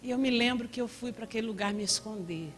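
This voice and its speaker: A Brazilian woman pastor preaching in a church, telling a personal story with lively quoted dialogue. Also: on the high side, fast, soft background music. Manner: storytelling with acted quotes and laughter. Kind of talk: testimony sermon.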